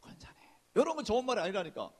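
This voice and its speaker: A man preaching a sermon as senior pastor, in a lively conversational way, acting out church gossip in hushed voices. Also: on the high side, normal speed, gravelly, husky.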